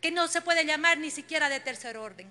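A woman speaks in a raised, projected voice with a bright, sharp tone. Her pitch variation is ordinary. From southern Ecuador (Zamora Chinchipe, Amazon region); Ecuador. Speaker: politician. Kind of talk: parliamentary speech. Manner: formal; emphatic. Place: hall. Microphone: podium.

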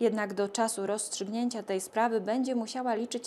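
Fairly high-pitched woman's voice with a dark, mellow tone at a fairly quick pace. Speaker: TV news reporter. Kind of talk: scripted narration.

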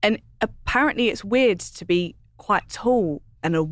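A woman with an English accent speaks with lively intonation in a dry sound with no echo. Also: quiet background. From England. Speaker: social media personality and podcast host; podcast host. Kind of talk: casual chat. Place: studio. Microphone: studio mic.

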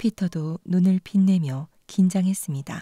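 A woman speaks very slowly in a calm, soothing tone, her voice fairly low, dark and mellow, and somewhat breathy. The sound is dry and close, with no echo. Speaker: audiobook narrator. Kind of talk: bedtime story reading aloud, scripted narration. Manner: calm, slow and soothing, gently lulling pace with soft character voices.

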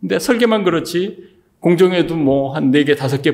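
A man talks at a fairly quick clip with lively intonation and vocal fry. The background is quiet. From South Korea. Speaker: retired semiconductor executive and former professor; guest. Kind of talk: interview. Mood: calm, explanatory. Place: studio. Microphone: studio mic.

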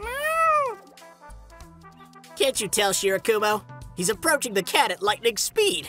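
A man uses a put-on character voice, raised and projected, at an extremely high pitch. He keeps a moderate pace while clear music plays in the background. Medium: dub.

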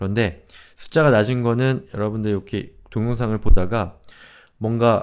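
A man talks in a medium pitch on a very clean recording with a silent background. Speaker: online computer instructor. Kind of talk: tutorial. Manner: fast.

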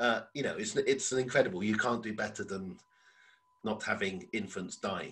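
A man with an English accent and ordinary pitch variation. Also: medium pitch for a man, moderate pace. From England. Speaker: academic presenter. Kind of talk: lecture. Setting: video call. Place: home room. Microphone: webcam.

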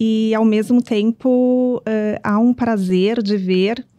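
Over a quiet background, a woman talks at a fairly high pitch with a dark, mellow tone and fairly even intonation. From Farroupilha, Rio Grande do Sul; Rio Grande do Sul, Brazil. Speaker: federal government attorney. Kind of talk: casual panel discussion. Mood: calm, reflective. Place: studio. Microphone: studio mic.

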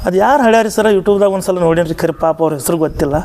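Noticeable background noise sits behind a man's voice. He speaks at a high pitch with lively intonation. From Belagavi district, northern Karnataka. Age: 30s. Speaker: folk drum-song singer. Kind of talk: interview.

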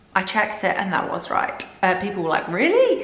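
Audible room echo surrounds the voice. A woman speaks with an English accent. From England. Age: 30s. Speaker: family and food vlogger. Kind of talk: casual vlog monologue. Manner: chatty, filler-heavy. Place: home room. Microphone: phone near.

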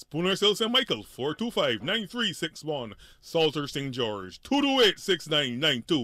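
A man with a fairly high voice speaks very slowly, his pitch swinging very widely, with vocal fry throughout. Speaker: comedic co-host. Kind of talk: casual comedic chat with sponsor reads. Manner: animated.

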